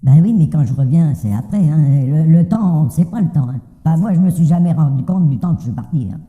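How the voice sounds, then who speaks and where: A man's voice: on the high side, lively intonation, fairly quick. Older guy telling his own story, plain spoken, repeats himself, really muffled and reverby. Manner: colloquial, plain-spoken, hesitant repetitions. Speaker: interviewee giving an anonymous testimony. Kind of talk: casual spoken personal testimony. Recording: very muffled, reverberant hall-like sound.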